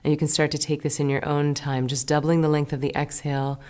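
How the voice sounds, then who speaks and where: Woman meditation teacher, low-pitched, calm guiding delivery with gentle whispered cues. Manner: slow, soothing, gentle instructions with soft whispered words. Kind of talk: guided meditation.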